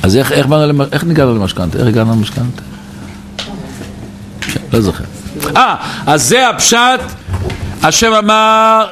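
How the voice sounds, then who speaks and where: Brief: male Hasidic storyteller, lively swooping delivery, a bit higher voice, faint noise behind. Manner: animated, repeats phrases, addresses listeners directly. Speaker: Hasidic teacher at a gathering. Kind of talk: storytelling talk at a farbrengen.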